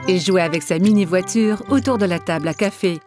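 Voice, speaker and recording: A woman's voice: fairly low pitch, brisk, darkish tone, faint music behind. A woman reading scripted narration for a children's cartoon story.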